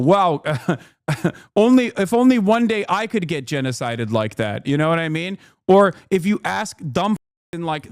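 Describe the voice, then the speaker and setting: A man hosting a livestream, giving sarcastic, profane, animated reaction commentary. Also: high voice, no echo, studio quality. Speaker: livestream host.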